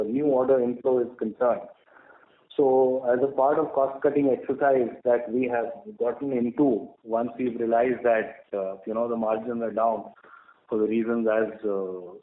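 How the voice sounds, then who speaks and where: A man with an Indian accent answering questions as a company executive on an earnings call, speaking in a measured, halting way with frequent pauses. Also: medium pitch, phone-quality sound. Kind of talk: earnings call Q&A, spontaneous explanation. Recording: echoey, band-limited conference call line.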